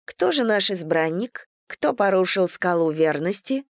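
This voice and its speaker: A woman's voice: on the low side, lively intonation, a little slow, no room sound, clean studio sound. A woman voicing a nosy sister who teases and pries in an audiobook. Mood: teasing. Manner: curious teasing. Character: nosy, teasing older sister.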